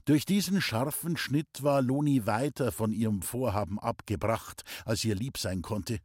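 A man reading a novel aloud as audiobook narrator, in calm, measured storytelling. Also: medium pitch, no echo. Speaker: audiobook reader. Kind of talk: scripted narration.

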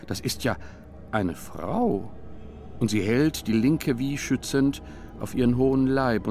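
Low, gravelly male narrator with a faint music bed; scripted storybook read. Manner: measured, descriptive storytelling.

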